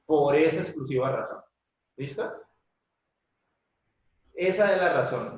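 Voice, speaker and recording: Male teacher explaining grammar, higher voice, super echoey room, sounds far from the mic, keeps checking students follow. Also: slight background noise. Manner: patient, checks in often with questions to students. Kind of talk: classroom grammar lesson.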